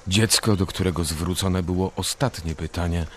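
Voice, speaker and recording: A man's voice: low voice, fairly even intonation, moderate pace, a little hiss or hum. A man narrating a radio drama from a script.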